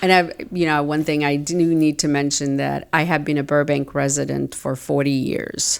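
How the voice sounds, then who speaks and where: Speaking at a moderate pace with an American accent, a woman has a very deep, low pitch on a very clean recording with a silent background. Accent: Egyptian-tinged American English. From Egypt, Cairo. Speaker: city clerk, politician. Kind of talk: interview.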